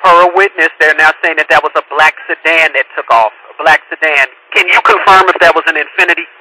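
A man's voice: on the high side, steady tone, fast, sharp tone. A man working as a police radio dispatcher, relaying and repeating reports in a clipped, procedural way over the radio. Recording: noisy police scanner radio recording.

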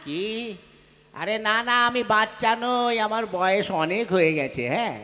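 A man's voice: sits high, lively intonation, normal speed. A man playing a deaf old village codger. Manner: loud, squabbling, mishears everything. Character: hard-of-hearing old village man eager to remarry. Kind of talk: puppet show folk comedy. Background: folk music.

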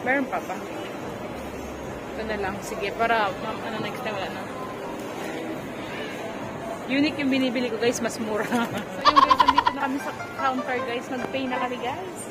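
A woman's voice: fairly high pitch, moderate pace, long pauses. A woman in her forties chatting to viewers about items as she shops, talking into a phone held at arm's length. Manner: chatty, addresses viewers while shopping. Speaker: vlogger. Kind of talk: casual shopping vlog. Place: busy supermarket aisles, indoors. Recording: loud crowd and store noise.

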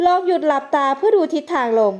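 Woman narrator for an audio novel, high voice, measured and expressive delivery. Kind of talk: scripted narration.

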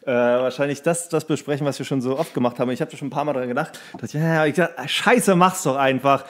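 A man co-hosting a podcast in a casual, joking, somewhat halting and colloquial chat. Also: mid-range voice. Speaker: podcast co-host.

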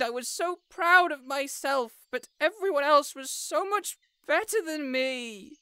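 A man's voice: very high-pitched, pushed and bright, dry recording, exaggerated voice. A man voicing an indignant, insecure young superhero in an audio roleplay, whiny, pompous and melodramatic. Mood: wounded, sheepish. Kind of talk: scripted audio roleplay acting.

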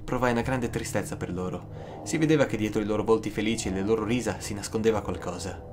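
A man with a fairly low voice tells a scripted horror story in the first person. He pauses dramatically for suspense, and music plays clearly behind him. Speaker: narrator.

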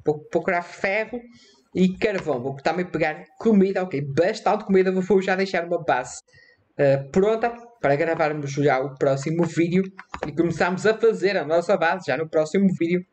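A man with a European Portuguese accent giving casual, excitable let's-play commentary, repeating his phrases and breaking into quick panicky outbursts. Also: high-pitched. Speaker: gaming YouTuber.

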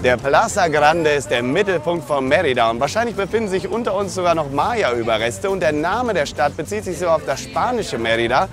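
A chatty, joking man in his thirties presents a travel vlog from outdoor ruins and squares. His voice sits a bit high for a man. Music plays under him. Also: lively intonation, brisk, hardly any pauses. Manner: jokey, chatty. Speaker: travel show host. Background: background music.

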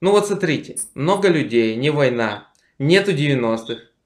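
A man's voice: fairly high pitch, lively intonation, normal speed. A young man, a vlogger, talking slyly and provocatively on a webcam video chat from a small room. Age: young adult. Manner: sly, teasing, provocative. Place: small room lit blue indoors. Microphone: webcam video call.

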